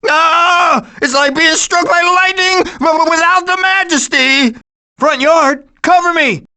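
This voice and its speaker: A man voicing a cocky, wisecracking raccoon who leads a band of foraging animals, with glib, sarcastic delivery in an animated video game style. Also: extremely high pitch, slow pace, exaggerated voice. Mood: excited shouting.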